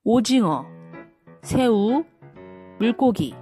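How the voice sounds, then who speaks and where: A woman reading a children's picture book aloud in a gentle, clear manner. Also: a little high, sing-song, extremely slow, faint music behind. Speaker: storybook reader.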